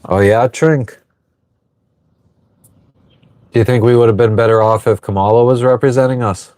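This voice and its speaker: A man's voice: medium pitch, fairly even intonation, brisk, darkish tone, no room sound. A man in his thirties hosting a casual livestream from an anchored sailboat, answering viewer comments offhandedly and swearing freely. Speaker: livestream host. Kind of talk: casual live chat reading viewer comments.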